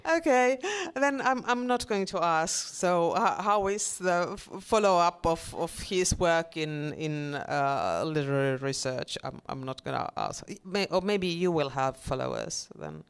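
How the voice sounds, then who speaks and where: A woman's voice: lowish voice, animated, unhurried, few pauses, smooth. A woman moderating a literary panel, asking questions with frequent restarts. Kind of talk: panel discussion.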